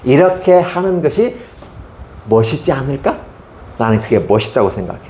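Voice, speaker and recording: A male Sunday school preacher addressing children, animated and constantly asking them questions. His pitch is mid-range but swings widely as he speaks. The voice rings around an echoey church hall. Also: moderate pace, a little hiss or hum. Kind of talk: sermon to children.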